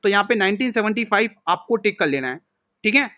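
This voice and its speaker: A man, a coaching teacher solving an exam paper for students in a brisk way, who often calls them "mere bhai". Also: high-pitched, animated, bright, forceful tone, no echo, muffled recording. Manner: brisk, calls viewers "mere bhai", keeps saying "theek hai".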